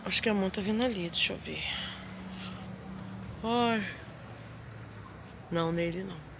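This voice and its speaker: A woman in her thirties from Brazil, vlogging casually at home on her phone and chatting warmly to her viewers. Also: medium pitch, unhurried, vocal fry, noisy background. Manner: chatty, gushing, addresses viewers as "gente". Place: house porch and kitchen at dusk. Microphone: handheld phone at arm's length.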